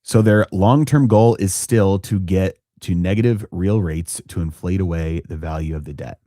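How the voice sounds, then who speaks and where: Deep-voiced man in halting live commentary. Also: dark tone, no echo, studio quality. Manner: halting, many fillers and restarts. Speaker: finance channel host. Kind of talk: live-stream market commentary.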